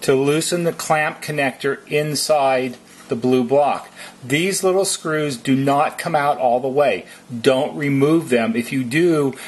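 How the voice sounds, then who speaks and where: A man giving methodical, step-by-step instructions as a repair technician, in a deliberate how-to narration. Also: medium pitch, a little hiss or hum.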